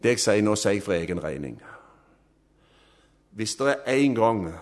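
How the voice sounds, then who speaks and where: A man preaching a sermon, emphatic, rising to loud swells and dropping to soft, low endings. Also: sing-song.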